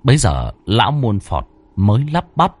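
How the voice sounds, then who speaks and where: A man's voice: fairly low pitch, huge pitch swings, normal speed, a little mellow, husky, no echo. A man narrating a ghost story in a dramatic, vivid storytelling manner.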